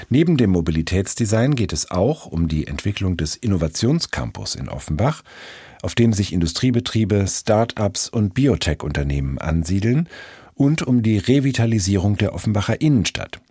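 Man, deep voice, lively intonation, husky, dry studio sound. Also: no room sound. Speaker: news presenter. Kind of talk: scripted news presentation.

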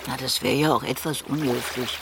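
Deadpan sea creature amid splashing water. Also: female voice, rumbling low, moderate pace, gravelly, background noise. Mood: laid-back, knowing. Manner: nonchalant, chummy, deadpan. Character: chatty, laid-back old female sea creature. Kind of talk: naturalistic conversational radio drama. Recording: loud splashing water behind the voice. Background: sea water splashing and trickling.

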